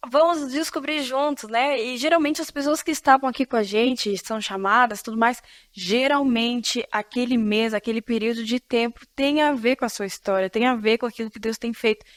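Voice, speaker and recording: A woman pastor from Florianópolis hosts a faith podcast in a lively, expressive way, laughing often and turning to her listeners. Her voice sits a little high. The recording is dry and close. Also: dry recording. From Florianópolis, Brazil. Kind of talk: casual faith-based podcast conversation.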